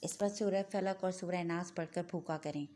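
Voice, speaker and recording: A woman narrator voicing a pious old male faith healer who gives calm, grave instructions in an audiobook. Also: fairly low pitch, normal speed, natural voice. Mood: instructive.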